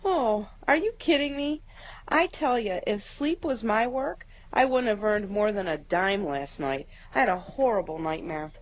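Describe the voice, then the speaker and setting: A homely, courteous woman neighbor, played by an actress speaks in a radio drama at a medium pitch. Her turns of phrase are plain and polite, and the recording is slightly dull. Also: expressive, a little slow. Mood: weary, wry. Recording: slightly muffled audio.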